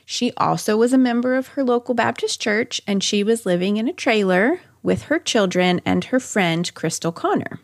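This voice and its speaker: A woman's voice: mid-range voice, lively intonation, normal speed, hardly any pauses, no echo. Woman telling true-crime stories, close dry sound. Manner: chatty asides amid narration. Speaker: podcast host. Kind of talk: conversational true-crime storytelling.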